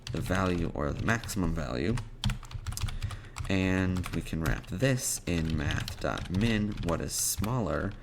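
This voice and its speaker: A man presenting a casual step-by-step programming tutorial, haltingly thinking aloud as he types. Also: sits low, expressive. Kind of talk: casual step-by-step coding screencast narration. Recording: clear background noise, keyboard clicking and typing. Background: computer keyboard typing and clicks.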